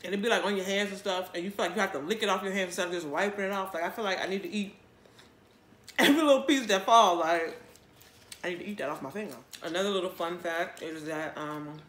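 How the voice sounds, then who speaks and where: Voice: medium pitch, steady tone, fast, hardly any pauses, a bit bright. A mukbang vlogger chatting casually and off the cuff, chewing while talking with a mouth often full. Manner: talks with mouth full, chewing between phrases. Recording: roomy echo, faint background noise.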